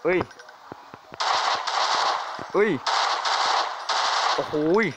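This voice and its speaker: A man giving jokey, excitable commentary while playing a shooting game, exclaiming often. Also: extremely slow, heavy background noise. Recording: game sounds and gunfire behind.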